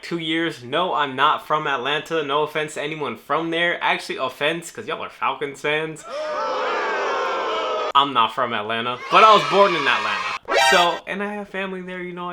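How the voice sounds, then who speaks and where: Young adult male YouTuber from New Orleans, casual Q&A host, teasing humor, raised voice with a sharp, bright tone. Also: a little high, a little hiss or hum. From New Orleans, United States. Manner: laid-back, joking, self-teasing. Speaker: YouTuber answering viewer questions. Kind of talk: casual Q&A vlog.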